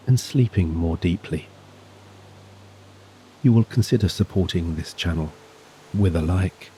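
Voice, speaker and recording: A man with a very low, mellow voice leads a guided sleep meditation. He speaks soothingly and gently, leaving long, measured pauses between phrases. A faint hum sits behind him. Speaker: hypnosis and meditation narrator. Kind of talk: guided sleep hypnosis, scripted narration. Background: soft relaxing music and gentle waves.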